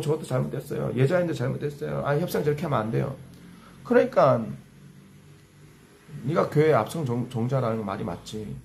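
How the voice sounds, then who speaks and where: A man's voice: medium pitch, gravelly, a little mellow. A man delivering angry ranting commentary as a YouTube commentator, heated and insulting. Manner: heated, insulting, repeats cursing phrases.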